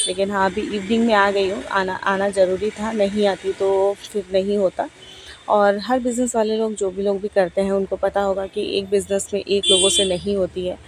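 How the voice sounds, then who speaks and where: A woman's voice: mid-range voice, a little mellow, low-quality recording. Chatty woman vlogger with faint background noise. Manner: chatty, rambling, talks fast. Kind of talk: casual vlog voice-over.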